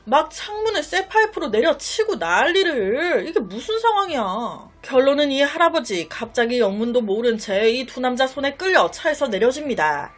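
A woman telling a true-crime story in a chatty, dramatic way, talking directly to her viewers. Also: sits high. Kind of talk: casual true-story narration.

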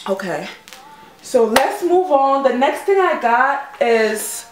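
Woman vlogger, casual haul chat, gushing and bubbly, slightly high voice, echoey room. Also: lively intonation, slow pace, background noise. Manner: bubbly and gushing, with many fillers. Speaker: fashion vlogger.

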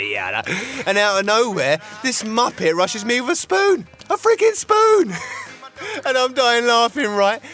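A man's voice: a little high, a bit bright. A man playing a manic, gloating young villain with a theatrical, mocking, giggly delivery in a character monologue. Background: music.

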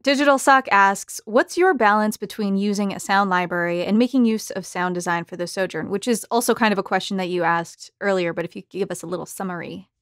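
A woman's voice: medium pitch, a little fast, hardly any pauses, no echo, studio quality. A woman hosting a podcast in a casual, conversational style, reading questions and addressing listeners. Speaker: podcast host.

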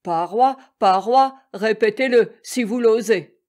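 A woman voicing a proud male lion who blusters loudly and flies into a rage. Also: mid-range voice, big pitch swings, slow. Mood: furious. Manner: loud and blustering.

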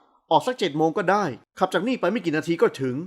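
A man voicing a blunt young male doctor who speaks in short, gruff remarks in an audiobook novel. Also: expressive, quick pace. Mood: plain. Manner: curt, low, gruff.

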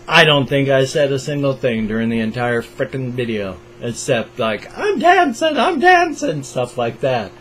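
An older reaction video host from the Pacific Northwest of the USA chats eagerly to camera from a small room at home, using an over-ear headset mic. He speaks slowly on purpose, keeps his voice raised high, and his pitch swings animatedly up and down. A faint hum runs beneath his voice.

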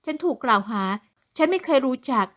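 A woman voicing a spoiled, haughty young woman who yells and protests being arrested, in a shrill, indignant tone. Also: animated, drawn-out words, heavily acted. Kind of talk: audiobook character voice.

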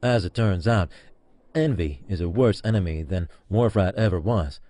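A man hamming up a low, pompous starship captain. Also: warm tone, close to an everyday voice. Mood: solemn, self-important. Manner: melodramatic, halting dramatic emphasis. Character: pompous, envious male starship captain turned bowler, parody. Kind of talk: comic audio drama acting with log narration.

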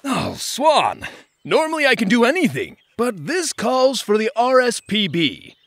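A man's voice: very high-pitched, wildly swooping pitch, measured pace, fairly bright tone, exaggerated voice. A man voicing a vain, boastful superhero in a comedy cartoon, with grandiose theatrical delivery. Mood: heroic, self-satisfied. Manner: bombastic, theatrical, grandiose declaiming. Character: vain, boastful male superhero who adores his mirror.

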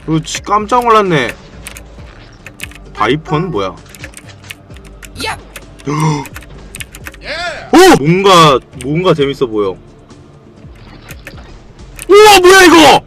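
A male game streamer giving excitable, playful let's-play commentary, full of slangy quips and sudden shouts. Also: a little high, slow, long pauses. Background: faint game music.

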